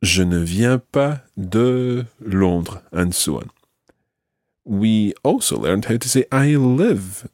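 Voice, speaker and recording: A man hosting a podcast language lesson, modelling phrases slowly and clearly for a learner. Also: on the low side, lively intonation, a little mellow, no room sound, studio quality. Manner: slow, clear teaching delivery with drawn-out model phrases. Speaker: language teacher and podcast host.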